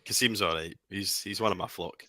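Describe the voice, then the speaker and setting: A Scottish man with a lowish voice that is very forceful and sharp. He speaks as a casual livestream panellist, with a close, dry sound. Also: fairly quick, dry recording. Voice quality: deep voice. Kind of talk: casual banter.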